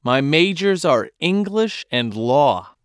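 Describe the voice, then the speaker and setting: Man, expressive pitch, slow clear lesson reading, dry close mic. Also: no room sound. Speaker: dialogue reader. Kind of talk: scripted language-lesson dialogue.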